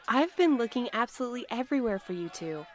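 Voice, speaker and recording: A woman's voice: a little high, expressive, quick pace, natural voice. A woman playing an earnest, practical co-worker in an audio drama, explaining things matter-of-factly. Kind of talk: audio drama dialogue, conversational.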